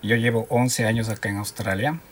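Relaxed man from Quito, low voice. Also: fairly quick, a little hiss or hum. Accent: Quito Spanish. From Ecuador. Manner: relaxed, storytelling, playful. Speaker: interview guest, driving instructor. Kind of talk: casual radio interview.

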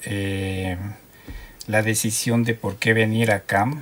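A man from Ecuador with a Quito accent, a guest telling his story in a relaxed, playful way. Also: lowish voice, takes it slowly. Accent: Quito Spanish. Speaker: interview guest, driving instructor. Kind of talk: casual radio interview.

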